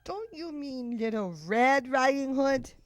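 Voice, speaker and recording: A woman's voice: high voice, slow pace, faint music behind. A woman voicing a bossy, exasperated childish puppet who corrects others in a children's puppet show, emphatic and insistent. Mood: curious.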